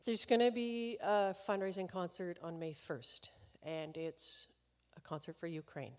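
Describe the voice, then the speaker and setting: A woman's voice: lowish voice, fairly even intonation, unhurried, clean tone. Chatty woman hosting in a reverberant hall. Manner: chatty and warm-hearted, laughing between remarks. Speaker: concert series host. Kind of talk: live stage introduction to an audience. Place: concert hall, live event.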